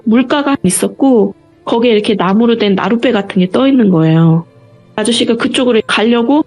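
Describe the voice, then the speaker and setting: A woman's voice: on the high side, darkish tone. A woman guest in an interview, retelling a personal story earnestly and vividly.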